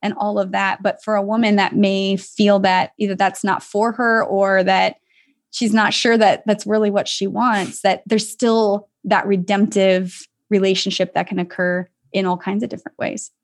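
A woman's voice: mid-range voice, little pitch movement, normal speed. A woman hosting a faith-based interview, reflective and encouraging as she draws out her guest. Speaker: podcast host.

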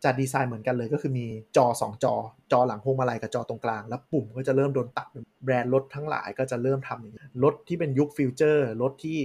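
A man co-hosting a casual tech podcast, talking in an animated, joking way with crude slang. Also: medium pitch, fast talker, hardly any pauses, breathy edge. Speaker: podcast co-host.

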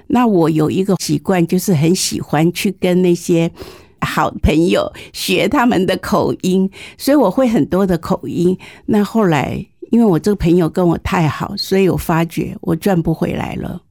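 A woman's voice: on the low side, moderate pace, warm tone, no room sound, clean studio sound. A woman in her sixties from southern Taiwan, with a southern Taiwanese Mandarin accent, tells personal stories conversationally as an interview guest, in a candid, humorous, self-deprecating way. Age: 60s.

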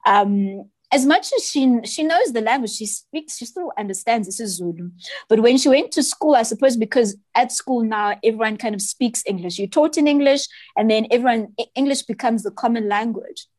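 Guest: South African woman with a fairly high voice, chatty storyteller, dry close recording. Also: lively intonation, normal speed, a little mellow, no echo. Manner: chatty storyteller, often adds "you know" and "right". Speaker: children's book author, guest. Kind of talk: casual interview chat.

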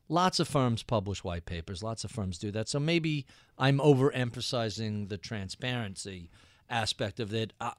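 Host, man in his fifties: mid-pitched, chatty, curious, dry close recording. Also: no room sound. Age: 50s. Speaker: podcast host. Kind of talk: interview conversation.

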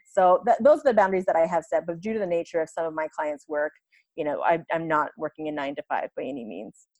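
Chatty woman guest in her 30s, lowish voice, dry close sound, laughs a lot. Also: fast, no echo. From United States. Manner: chatty, laughs often, animated. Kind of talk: casual interview chat.

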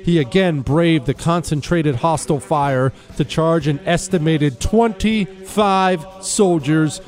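A man's voice: fairly high pitch, takes it slowly, a little mellow, soft background music. A man hosting a talk radio show in a conversational monologue, folksy and plain-spoken, addressing listeners directly. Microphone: close studio microphone.

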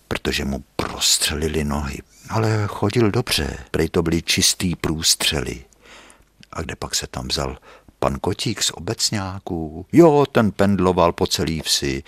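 An older man in his seventies, a painter in his studio, telling childhood memories in an unhurried, musing way that often drops to a soft whisper. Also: very deep voice, breathy edge, no room sound. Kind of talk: reminiscing storytelling.

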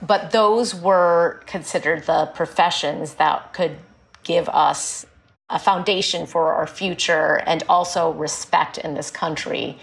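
A woman in her forties, born in India and raised in Illinois, appears as an author guest in a casual interview, talking frankly and chattily with light laughs as she explains things. Her voice is low and creaky, with a steady tone and a slow pace.

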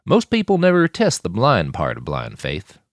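A man doing a calm gentle young man. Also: lowish voice, normal speed, no room sound, studio quality.

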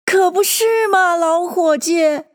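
A woman voicing a clamoring crowd of little animals, all shouting at once. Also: extremely high pitch, slow pace, voice pushed up. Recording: long hall reverb.

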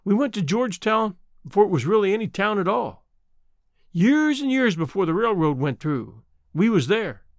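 A man voicing a gentle old mountain widow. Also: high-pitched, very animated, moderate pace, dry recording, studio quality, pitched above the performer's own voice. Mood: wistful. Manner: rural dialect, homely grammar; apologetic, wistful.

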